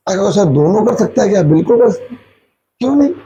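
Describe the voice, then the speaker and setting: A man's voice: high-pitched, lively intonation, quick pace, mellow, muffled recording. A man teaching a maths lesson, asking and answering his own questions and mixing English maths terms into his Hindi. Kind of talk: classroom lecture.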